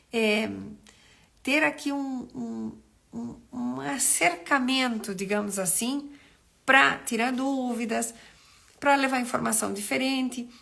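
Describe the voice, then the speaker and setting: A woman's voice: a little high, gravelly, fairly bright tone. A middle-aged woman, recovering from a cold, hosting a casual live stream as a nutritionist and chatting with viewers in a rambling way. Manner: chatty, greets viewers by name, rambles with restarts. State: recovering from a cold, throat still rough.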